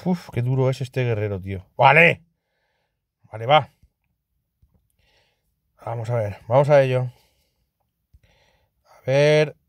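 A young man with a Spain Spanish accent giving casual, excitable gameplay commentary, swearing and laughing often. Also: medium pitch, takes it slowly, pauses often, no echo. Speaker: gaming youtuber.

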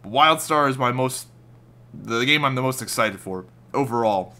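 A young man talking over game footage, voice a bit raspy since he just woke up. His tone is bright and forward, and he rambles in a loose, casual way, full of fillers and restarts. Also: medium pitch, normal speed. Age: young adult. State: slightly raspy from just waking up. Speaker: gaming YouTuber. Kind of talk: casual voice-over commentary over gameplay.

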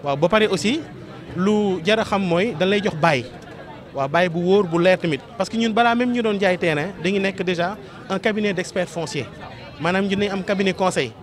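A middle-aged Senegalese man, a real estate promoter, speaking earnestly to journalists at a crowded outdoor event, repeating his pitch. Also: brisk. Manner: earnest, repetitive promotional speech mixing Wolof and French. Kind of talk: press statement to journalists. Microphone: several press microphones held close. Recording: noisy crowd around interview. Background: crowd chatter.

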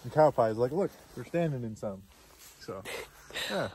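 A man's voice: medium pitch, expressive, moderate pace, dark tone, husky, no echo. A young man making dry joking asides in a casual vlog, recorded outdoors on a phone held at arm's length. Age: young adult. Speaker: co-host, husband. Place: outdoors on a mountainside.

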